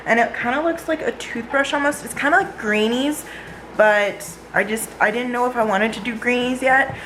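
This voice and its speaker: A woman's voice: a little high, moderate pace, fairly bright tone, slight background noise, rough recording. A woman vlogger chatting casually and informally to her viewers in a day-in-the-life style.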